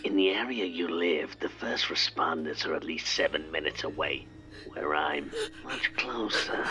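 A sinister masked phone killer, extremely low gravelly whisper, taunting. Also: male voice, measured pace, music in the background. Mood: menacing. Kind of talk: audio play acting.

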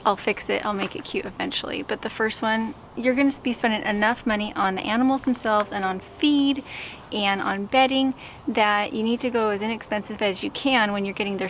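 A woman's voice: mid-range voice, fairly even intonation, moderate pace, a little hiss or hum. A woman in her thirties, a homesteading vlogger, explaining her building work in a casual, practical way outdoors, speaking to a camera held at arm's length. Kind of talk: casual how-to vlog. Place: small backyard outdoors.

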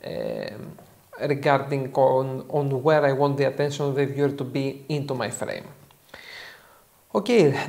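Young Greek-accented male tutor, earnest and methodical, talks through each step with short pauses. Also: fairly high pitch, a little mellow. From Greece. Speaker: photo editing tutor. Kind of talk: software tutorial narration. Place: dark studio indoors.

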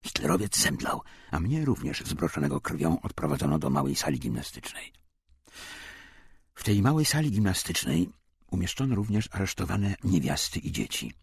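Deep, gravelly male audiobook narrator. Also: big pitch swings, moderate pace, dry recording, clean studio sound. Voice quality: gravelly, husky. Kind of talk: dramatic scripted narration of a wartime memoir.

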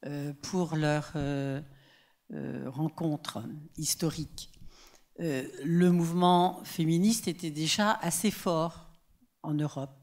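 A woman speaking as a panelist in a discussion, thoughtful, pausing between points. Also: sits low, fairly even intonation, darkish tone.

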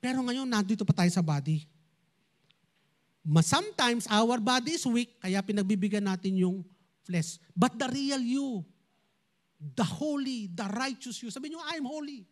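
A man's voice: very high-pitched, lively intonation, unhurried, pauses often. A man, preaching a sermon as pastor and speaking directly to his congregation. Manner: switches between Tagalog and English, addresses congregation directly.

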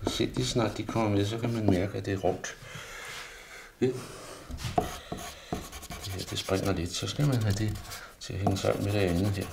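A man's voice: on the low side, fairly even intonation, vocal fry, long pauses, background noise. A man who is an artist, thinking aloud as he demonstrates a pastel drawing, rambling and often murmuring to himself. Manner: rambling, self-murmuring, often drops to a near mutter.

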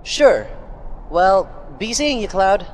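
A man's voice: sits high, big pitch swings, slow pace, in a large hall, a little hiss or hum, heavily acted. A man voicing an eager, earnest teenage boy hero in a game fan dub.

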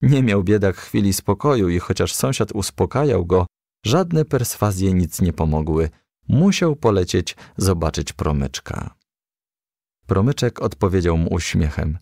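A man narrating a children's storybook as a gentle, lively storyteller. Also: low voice, unhurried, gravelly, no echo, clean studio sound.

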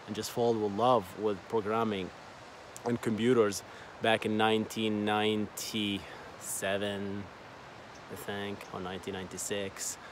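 Man, thirties, Arabic native, casual rambling vlog, lowish voice, phone at arm's length by a lake, faint street hum. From Bahrain. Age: 30s. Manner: rambling, repeats words, many fillers. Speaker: vlogger. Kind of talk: casual personal storytelling. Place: outdoors by a lake in a park. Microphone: phone held at arm's length.

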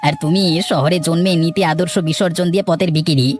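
A man's voice: fairly high pitch, steady tone, fast talker, soft background music, natural voice. A man playing a sheepish village swindler in a cartoon moral story, pleading and rueful. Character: sheepish male village swindler turned remorseful beggar. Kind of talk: Bengali moral cartoon dubbing.

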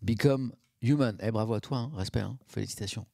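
A man's voice: lowish voice, brisk, creaky, darkish tone, dry recording, clean studio sound. A man, chatting casually on a live stream, reacting to chat and mocking himself.

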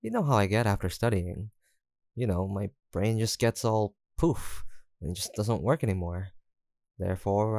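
A young voice actor plays an easygoing, teasing, affectionate student roommate in an intimate, casual roleplay audio drama full of hesitant banter. The mood is playful and relaxed. His fairly low voice is a little mellow, with no echo.

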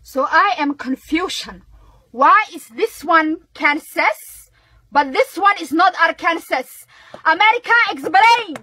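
A woman's voice: very high-pitched, expressive, takes it slowly, sharp tone, dry recording, low-quality recording. A woman in an exasperated comic rant, emphatic and indignant.

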